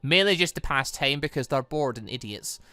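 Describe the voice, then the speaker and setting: Man voicing a calm, teasing warrior mother. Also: mid-range voice, moderate pace, smooth, no room sound, soft background music. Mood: solemn storytelling. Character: calm, teasing, all-knowing mother warrior telling lore.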